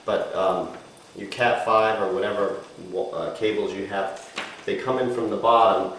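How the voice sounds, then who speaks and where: Thinking out loud with some hesitation, a middle-aged DIY demonstrator walks through a casual home improvement job inside a house. His lowish, slightly bright voice is unhurried with fairly even intonation, heard in an echoey room with background noise.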